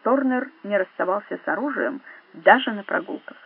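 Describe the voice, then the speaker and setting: Woman narrator, audiobook reading, steady storytelling, husky voice, thin phone-like sound. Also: medium pitch, normal speed. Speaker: audiobook reader. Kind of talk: scripted narration. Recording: narrow phone-like band.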